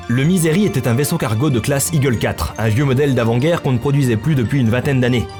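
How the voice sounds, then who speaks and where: A man's voice: medium pitch, a little mellow. A man narrating a scripted story in literary prose as the narrator of a visual novel. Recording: music bed under the voice.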